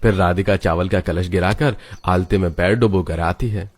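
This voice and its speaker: Guy narrating a cartoon story, low and matter-of-fact. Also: normal speed.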